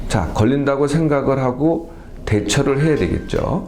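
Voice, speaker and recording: Noticeable background noise and audible room echo surround a man speaking at a medium pitch and a moderate pace. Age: 60s. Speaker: doctor giving health lectures. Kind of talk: lecture. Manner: hesitant fillers, frequent 'ah' and 'ne'.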